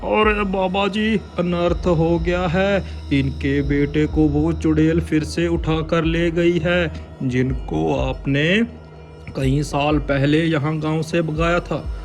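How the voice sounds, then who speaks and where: Man acting a high-pitched, frantic village man. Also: steady tone, slow, soft background music. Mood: pleading. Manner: urgent, pleading, high-strung. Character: frantic village men, a pleading father and village headman.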